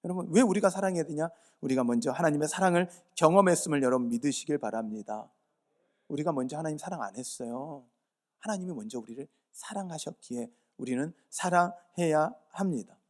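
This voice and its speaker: A man's voice: fairly high pitch, a little fast. Earnest pastor man preaching a sermon. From Yeosu, South Korea. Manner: asks the congregation rhetorical questions and answers them himself; earnest, urging. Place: church service.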